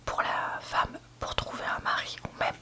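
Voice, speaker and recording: A book reviewer giving a candid, hesitant ASMR review in a soft library whisper, often searching for words. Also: moderate pace. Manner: soft library whisper, almost entirely unvoiced. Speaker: book reviewer, video host.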